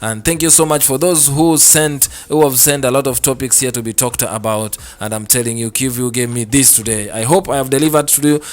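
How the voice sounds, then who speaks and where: A man's voice: medium pitch, fairly even intonation, a little fast, hardly any pauses. A man hosting a radio advice segment, speaking earnestly and repeating his points to parents and children listening. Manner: earnest, repetitive, addresses parents and kids directly. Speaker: radio show host. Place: radio studio.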